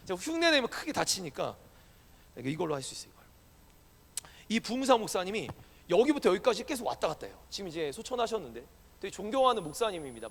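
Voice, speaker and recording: A male pastor preaches in a casual, playful way, asking his young congregation questions as he goes. His voice sits high and swings widely in pitch. A long church-hall reverb trails after his words. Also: gravelly, fairly bright tone. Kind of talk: conversational sermon to young adults.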